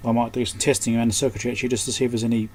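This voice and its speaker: A man's voice: medium pitch, flat delivery, very fast, a little mellow. A man giving casual, unscripted hands-on repair commentary, thinking aloud as he works. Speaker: host of an electronics repair channel. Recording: clearly noisy background.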